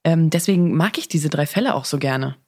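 Woman, somewhat low pitch, casual discussion, podcast co-host. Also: animated, fairly quick, a little mellow.

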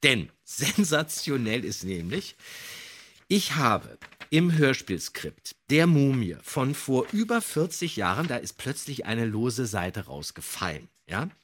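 A man co-hosting a podcast, telling a story in an animated way with dramatic emphasis and built-up suspense. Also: mid-range voice, slow. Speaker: podcast co-host.

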